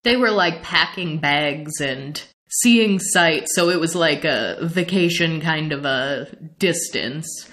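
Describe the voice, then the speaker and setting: Chatty, laughing Midwestern woman, lower voice. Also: slow, few pauses. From Midwestern United States. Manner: chatty and animated, laughs often, frequent fillers. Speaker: podcast co-host. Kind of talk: casual chat recapping an anime series.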